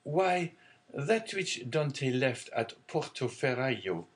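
A man's voice: mid-range voice, big pitch swings, slow. A man voicing a sly, jealous male ship's officer who insinuates. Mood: insinuating.

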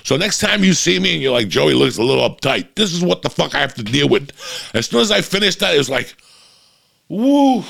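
A man's voice: fairly high pitch, sing-song, a little fast, creaky, a bit bright. A man with a New Jersey accent hosting a podcast, telling a rambling, profane story in casual chat. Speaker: podcast host.

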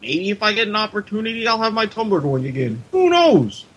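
A man's voice: high-pitched, expressive, fast talker, fairly bright tone, breathy edge, highs cut off. A man co-hosting a podcast in casual chat, opinionated and joking. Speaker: podcast co-host.

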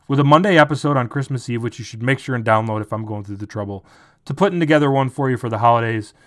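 A man hosting a sports podcast, talking casually and sarcastically with lots of fillers and restarts. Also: medium pitch. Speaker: podcast host.

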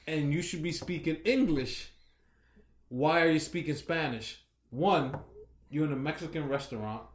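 A man co-hosting a casual, profane podcast chat, telling stories in an animated way. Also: fairly high pitch, moderate pace, roomy sound. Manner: animated storyteller, acts out quotes with shouty put-on voices. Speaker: podcast co-host.

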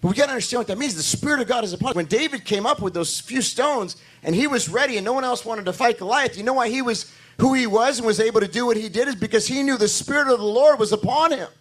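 A man preaching a sermon to his congregation with a hoarse voice, building emphasis through repetition and calling for amens. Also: very high voice, quick pace, hardly any pauses, a bit bright. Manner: talks to the congregation directly, asking for amens. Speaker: pastor.

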